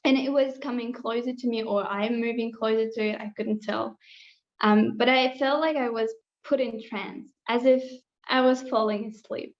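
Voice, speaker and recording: A woman from Kazakhstan telling a personal story as an interview guest, earnest and halting, on a slightly dull recording. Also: on the high side, steady tone. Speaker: podcast guest.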